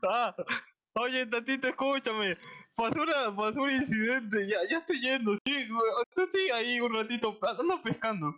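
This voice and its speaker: A man's voice: extremely high pitch, animated, moderate pace, bright, forceful tone. A man chatting casually and playfully in character during a gaming roleplay, with exclamations. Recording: dull lo-fi mic.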